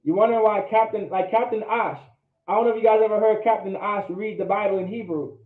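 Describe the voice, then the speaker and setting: A man's voice: high-pitched, steady tone, a little fast. A man teaching a language class, often checking in with "all right?" and pressing his points. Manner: repeats "all right?" to check understanding, emphatic. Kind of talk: classroom lecture. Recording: echoey room, phone-like audio.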